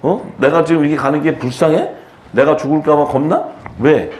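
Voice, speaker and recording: A man's voice: on the high side, normal speed, a little mellow, pitched above the performer's own voice, close to an everyday voice. A male preacher voicing Jesus as a grown man rebuking weeping followers with scolding, insistent questions.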